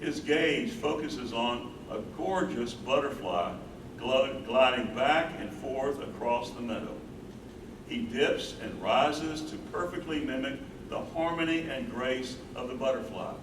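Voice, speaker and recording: A man's voice: medium pitch, unhurried, close to an everyday voice. A man playing an earnest, smitten young college student in a staged play reading. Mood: reverent storytelling. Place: indoor venue at a live staged reading. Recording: roomy, distant stage recording with clear noise.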